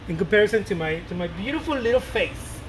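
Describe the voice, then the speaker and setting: This fast-talking painter, late thirties and fairly high-voiced, rambles animatedly to his audience on camera, repeating himself and cursing offhandedly. The recording is rough, with a steady air-conditioner hum clearly present under his voice.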